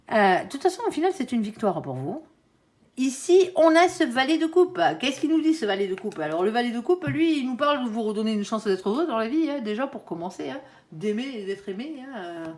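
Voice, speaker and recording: A woman with a Southern French accent talks through a tarot reading in a loose, chatty way. She peppers her sentences with small tag words and chuckles at her own jokes. Her voice sits a little high and swings widely in pitch. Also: very animated, moderate pace. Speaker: tarot reader. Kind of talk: casual astrology tarot reading.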